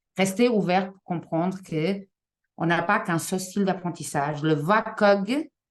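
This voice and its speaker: Her loudness swings widely as a woman speaks at a fairly slow pace and a medium pitch. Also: ordinary pitch variation. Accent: non-native. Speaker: learning science educator. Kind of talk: online talk presentation.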